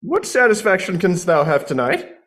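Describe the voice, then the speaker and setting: A man's voice: sits high, very animated, normal speed, a bit bright. A man playing Juliet as an earnest, lovestruck young woman in a live amateur Shakespeare reading, with theatrical verse delivery. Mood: devoted.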